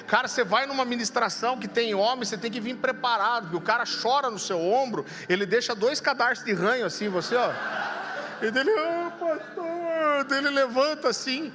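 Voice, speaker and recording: A man in his thirties with a Brazilian Portuguese accent, a pastor preaching a sermon with humorous stories and quiet intense moments. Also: quick pace, few pauses, a crowd in the background. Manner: humorous storytelling, shifts to low quiet intensity. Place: large church hall. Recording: long hall reverb, faint music.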